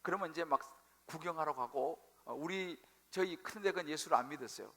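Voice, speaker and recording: A male pastor preaching a sermon, telling the story with animated, acted-out quotes. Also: a little high, fairly quick. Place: church sanctuary.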